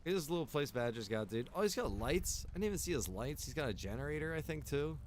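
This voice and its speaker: A man's voice: on the high side, expressive, fast, a little hiss or hum. A man chatting casually while roleplaying in a game, with a laid-back, rambling, agreeable way of talking. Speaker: streamer, roleplay gamer. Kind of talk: casual in-character roleplay chat while gaming.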